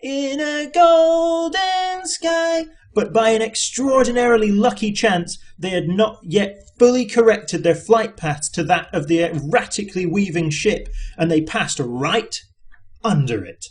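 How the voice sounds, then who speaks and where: A man's voice: sits high, lively intonation, normal speed. A man narrating an audiobook as an amateur reader, in scripted storytelling style.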